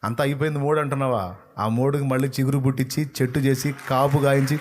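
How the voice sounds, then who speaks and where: A male pastor preaching a sermon emphatically, swinging between loud rebukes and low, earnest tones. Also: fairly even intonation, quick pace.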